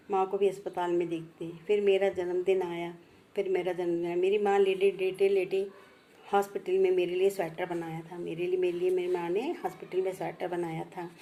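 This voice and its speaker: A woman speaking slowly and heartfelt as she recalls her past, repeating each phrase twice. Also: fairly low pitch, warm tone, slight background noise. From India. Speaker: vlogger sharing memories. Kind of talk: personal reminiscence.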